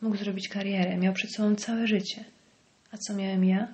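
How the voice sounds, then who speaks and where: A woman's voice: mid-range voice, flat delivery, moderate pace, a little mellow, close to an everyday voice. A woman voicing a bitter, venomous middle-aged male village doctor in an audiobook, sneering and dropping into hissed whispers. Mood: weary. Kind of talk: audiobook character voice.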